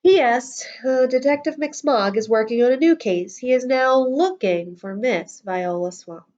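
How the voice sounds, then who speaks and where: A woman reading a children's storybook aloud in an expressive, deliberate schoolteacher's manner. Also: a little high. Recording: dull lo-fi audio.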